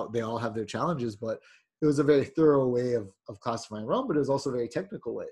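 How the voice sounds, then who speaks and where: Very fast speech from a man at medium pitch, somewhat breathy, with ordinary pitch variation. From Jamaica. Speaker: rum industry executive. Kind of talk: casual interview conversation.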